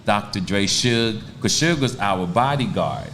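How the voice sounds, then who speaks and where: Low-voiced man in his sixties, streetwise. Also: expressive, measured pace, fairly bright tone, slight background noise. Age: 60s. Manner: laid-back, streetwise storyteller with profanity. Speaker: stand-up comedian guest. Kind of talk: casual interview storytelling.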